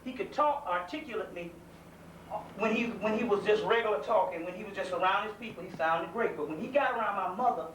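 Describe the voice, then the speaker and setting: A man's voice: high voice, fast talker, fairly bright tone. Southern man lecturing in an echoey hall. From South Carolina. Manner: folksy, conversational, earnest. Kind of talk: informal community lecture. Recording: echoey room, mic far off, faint hiss.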